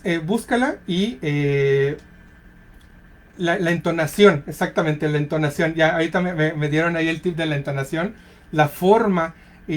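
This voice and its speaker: Chatty Mexican radio host. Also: medium pitch. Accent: Mexican Spanish. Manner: chatty, addresses listener with tag questions and fillers. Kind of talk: casual radio talk. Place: radio studio.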